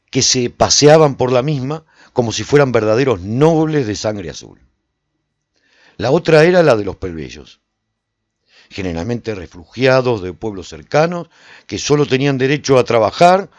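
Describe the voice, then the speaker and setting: A man playing a reflective survivor, narrating a post-apocalyptic radio serial in the first person in a measured, dramatic way. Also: medium pitch, no echo, dull audio, lightly acted. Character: reflective male survivor recounting life in a post-apocalyptic walled city.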